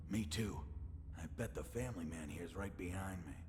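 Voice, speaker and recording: Over loud background noise, a man does a put-on character voice with a very deep, low pitch at a fairly quick pace. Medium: video game. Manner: sneering.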